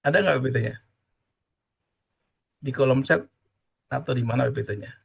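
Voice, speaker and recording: A middle-aged man from Java, giving an online class lecture and explaining slowly, with a "ya" tagged onto nearly every point. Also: mid-range voice, vocal fry, slightly rough. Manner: drawn-out explaining with constant "ya" tag questions. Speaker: university lecturer.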